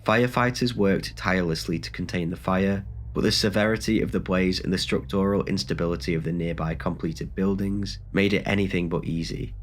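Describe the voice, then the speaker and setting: Very deep-voiced man narrating with a cold. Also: fairly even intonation, fairly quick, few pauses, a little hiss or hum. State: has a bad cold. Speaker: channel host and narrator. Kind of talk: scripted documentary narration.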